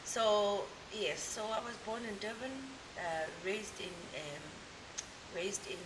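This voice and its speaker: A South African woman, a Zulu speaker, chats easily about her life as an interview guest, often laughing as she tells stories. Her voice sits at an ordinary middle pitch for a woman. A steady hiss runs under the recording. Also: slow pace. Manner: relaxed, laughs often, lively storytelling. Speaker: guest, gospel singer. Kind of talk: casual interview chat, mixing Zulu and English. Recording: hissy background noise.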